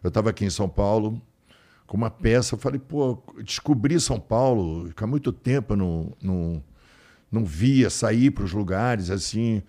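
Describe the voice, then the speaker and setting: A man speaks in a somewhat low voice. He rambles in a relaxed, affectionate way, circling back and restarting his thoughts as he chats with an interviewer. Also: normal speed. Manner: warm, rambling, affectionate storyteller with frequent restarts. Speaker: guest. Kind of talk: casual interview chat.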